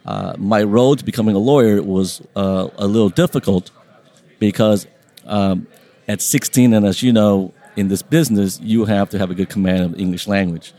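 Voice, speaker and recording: A man's voice: fairly low pitch, fairly even intonation, normal speed, dark tone. A man whose first language is Vietnamese, speaking as an interview guest in a reflective, conversational and somewhat hesitant way.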